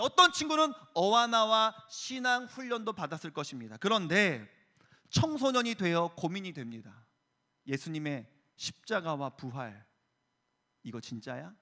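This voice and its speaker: A man in his thirties, a youth pastor giving a lively sermon to high school students and acting out story voices as he tells them. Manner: animated storyteller, acts out voices.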